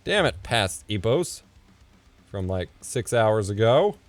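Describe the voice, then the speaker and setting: A man in his thirties live-streaming from his home setup as he edits video, thinking out loud and muttering asides under his breath. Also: lowish voice, big pitch swings, slow pace, dry recording. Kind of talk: casual live-stream commentary while video editing. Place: home streaming room, indoors. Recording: dry close mic with faint music.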